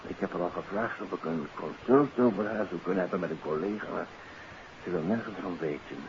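Low, creaky-voiced, anxious doctor father. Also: a little fast. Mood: anxious, distressed. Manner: hesitant, apologetic, often tagging sentences with questioning particles. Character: anxious middle-aged father, a polite, troubled doctor. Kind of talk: 1950s radio drama acting. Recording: noisy, muffled old radio recording.

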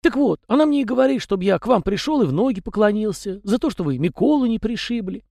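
A man's voice: high-pitched, lively intonation, fast talker, creaky, a little mellow, no echo, studio quality, voice pushed up, exaggerated voice. A man voicing a small, talkative male house spirit with rustic, folksy peasant speech. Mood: chatty folksy.

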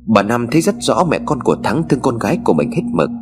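A man narrating a ghost story in a measured, dramatic way. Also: medium pitch, big pitch swings, long reverb tail. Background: music.

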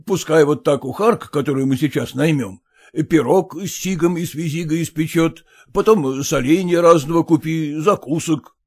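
A man voicing a stern, bossy older man who lectures and scolds his son-in-law in a slow, drawn-out way. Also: on the high side. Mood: lecturing.

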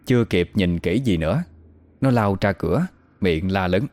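A man telling a horror story in slow, even, suspenseful narration. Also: low-pitched. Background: faint music.

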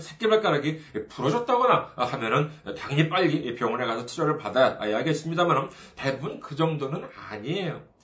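A man's voice: a little high, fairly bright tone, echoey room. A man preaching a sermon as a pastor, in a conversational, humorous way, often asking the listeners questions.

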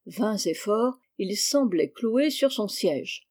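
A woman narrating a classic children's novel in a measured storytelling voice. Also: mid-range voice, animated, a little mellow. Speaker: audiobook narrator. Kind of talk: scripted narration.

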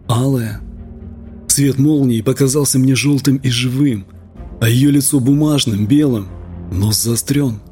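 A man narrating a literary audiobook in a measured, expressive reading. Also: medium pitch.

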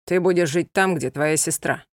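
A woman's voice: deep voice, moderate pace, no echo, clean studio sound, pitched below the performer's own voice, close to an everyday voice. A woman voicing a proud, stern young gypsy man who speaks coldly and curtly. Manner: cold, curt and commanding.

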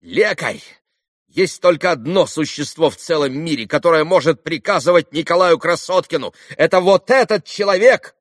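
A man voicing a proud, excitable teenage schoolboy who talks in hurried, emotional bursts. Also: fairly high pitch, no room sound, studio quality, pitched above the performer's own voice. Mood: defiant.

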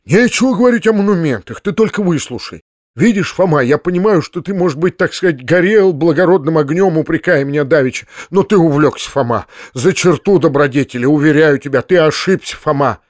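A man's voice: on the high side, animated, measured pace, no room sound, studio quality. Male reader as a kindly, flustered uncle, raised voice, stammering earnestly. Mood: pleading. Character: flustered, kindly middle-aged landowner uncle.

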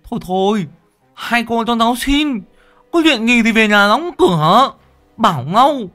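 Man voicing lisping young village lad, high voice, pleading, stammering. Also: lively intonation, a little slow, pushed and bright, faint music behind, heavily acted.

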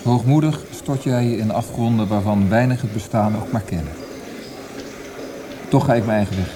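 An actor in a Dutch radio drama playing a reserved, reflective young poet with a measured, courteous manner. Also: male voice, lowish voice, crowd noise, lightly acted. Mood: resigned, firm. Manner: measured, courteous, somewhat hesitant.

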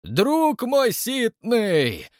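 A man voicing a boisterous, burly elderly man who roars his words loudly. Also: big pitch swings, unhurried, no echo, clean studio sound. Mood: jubilant. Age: older. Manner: booming, roaring.

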